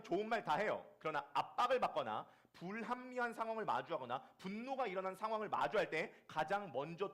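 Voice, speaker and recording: A middle-aged man delivers a Sunday sermon, his voice a little high for a man. His pitch swings widely and his delivery is animated. He slips into quick acted asides as he tells everyday stories. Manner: lively storytelling with acted asides. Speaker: pastor.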